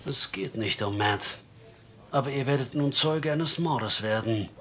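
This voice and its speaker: An actor in a German radio play playing a menacing, mocking gang boss with a theatrical, drawn-out delivery. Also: male voice, mid-range voice, a bit bright, close to an everyday voice. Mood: scornful. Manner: theatrical, slow, drawn-out taunting with chuckles.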